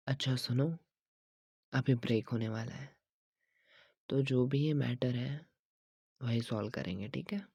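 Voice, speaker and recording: Whispered role-play: man as a teasing young gym trainer, husky and slow, soft coaxing delivery. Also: no room sound, heavily acted. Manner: soft, coaxing, teasing with frequent low laughs; mixes Hindi and English phrases. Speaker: ASMR creator.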